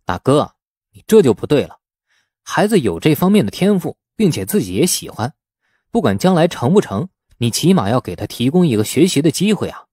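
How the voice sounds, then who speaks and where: A man's voice: fairly high pitch, very animated, fairly quick, mellow, husky, dry recording, clean studio sound. A man voicing an easygoing, righteous young man in an audiobook, speaking conversationally and encouragingly. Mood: earnest.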